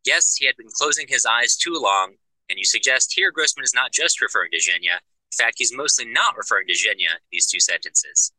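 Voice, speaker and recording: A man co-hosting a casual book discussion podcast, explaining the story in a steady, agreeable way. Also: medium pitch, a little fast, dry recording, low-quality recording. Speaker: podcast co-host discussing a novel.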